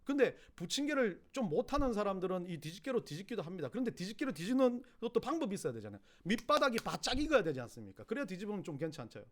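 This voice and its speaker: A middle-aged man with a Gyeongsang Korean accent preaches a sermon. His voice sits high and leaps all over, rising to loud emphatic cries and dropping to hushed low asides. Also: big pitch swings, racing, few pauses, slight background noise. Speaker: pastor.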